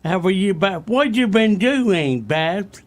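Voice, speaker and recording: Slow-talking man with dry teasing quips. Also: sits high, expressive, soft background music. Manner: dry, teasing one-liners. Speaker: radio guest. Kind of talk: casual talk radio banter.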